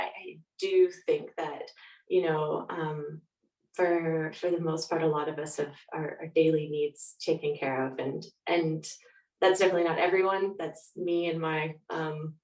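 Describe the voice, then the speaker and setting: A woman giving a thoughtful, halting interview as a guest, reflecting in a conversational way. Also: deep voice, level tone, darkish tone. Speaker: podcast guest, author. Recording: roomy echo, distant from mic.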